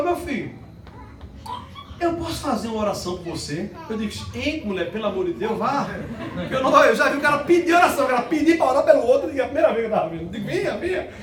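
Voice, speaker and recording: A man preaching a sermon, telling a story with animated bursts of shouting and singing. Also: very high voice, slight background noise. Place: church. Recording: echoey church hall miked from a distance.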